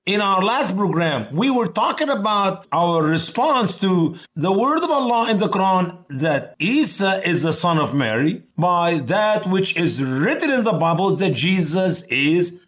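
A man from Egypt, hosting a religious radio teaching show in an earnest, deliberate, explanatory way. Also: high-pitched, animated, a bit bright.

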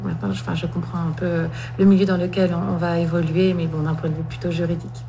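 A woman, a lawyer who also writes songs, answering interview questions in a measured, hesitant way. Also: lowish voice, little pitch movement. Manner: measured, hesitant, many fillers. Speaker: lawyer and songwriter, program participant. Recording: clear hum behind.

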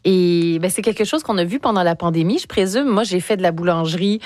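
A woman hosting a casual interview, friendly and quick to laugh. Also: lowish voice, a little mellow, no room sound. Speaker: radio interviewer.

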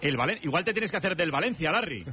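A man from hosting a radio show, chatting and teasing his guests with quick jokes. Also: a little high, expressive, bright, forceful tone. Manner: jokey, teasing, fast-talking. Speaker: radio host. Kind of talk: lively radio chat.

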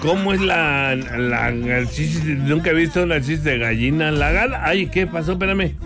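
A man with a Mexican accent hosting a radio call-in show, bantering playfully and stretching out shouted catchphrases. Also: on the high side, moderate pace. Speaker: radio host. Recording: music playing behind. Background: music.

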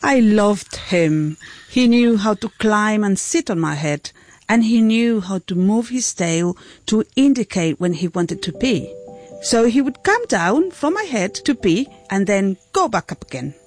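A woman voicing a translation in the first person, in a gentle, even delivery. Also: medium pitch, unhurried, soft background music. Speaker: voice-over interpreter.

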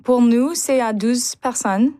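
A woman, a native English speaker, talking as a musical theatre actress in halting French that slips into English words. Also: on the high side, mellow. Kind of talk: interview.

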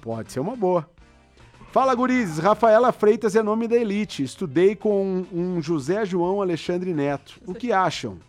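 Um homem apresentando um programa de rádio, em conversa descontraída e brincalhona com os colegas. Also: male voice, high-pitched, expressive. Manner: joking, teasing, quick back-and-forth. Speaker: radio host. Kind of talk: casual radio banter. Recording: faint music behind.

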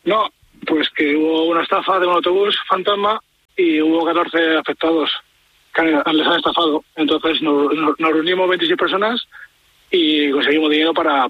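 A man speaks as a football fan in a casual interview over a dull, muffled line. His voice is husky and a little high, and he is blunt, often repeating his point. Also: steady tone, fairly quick. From Madrid, Spain.

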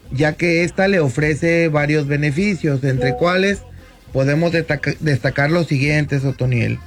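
A man in his fifties, a lawyer, explaining at length in a measured way on a radio talk segment from a studio booth. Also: on the high side. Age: 50s. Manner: measured, explanatory, often addresses the host by name. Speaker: lawyer guest on radio show.

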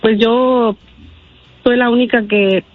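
A woman's voice: on the high side, fairly even intonation, takes it slowly, no room sound. Modest woman caller on a tinny line. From Guanajuato, Mexico. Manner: modest, hesitant, many "pues". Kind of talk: phone call-in on radio. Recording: tinny phone line, dry.

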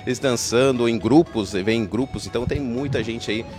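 A man's voice: medium pitch, normal speed, a little mellow, faint music behind. A man from Brazil, a game store owner, chatting in an upbeat, salesy way as a guest at an outdoor festival. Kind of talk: casual promotional interview.

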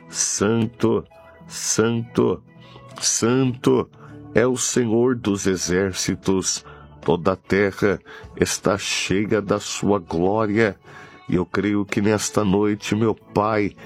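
A man leads a fervent prayer in a slow, unhurried cadence. His low voice has a gravelly edge, and he keeps circling back to the same pleading invocations. Faint music plays underneath. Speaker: prayer leader. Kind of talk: fervent late-night prayer.

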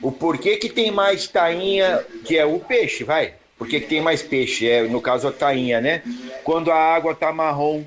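Man, caller, rambling, informal, unhurried, slightly high voice. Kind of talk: recorded listener message.

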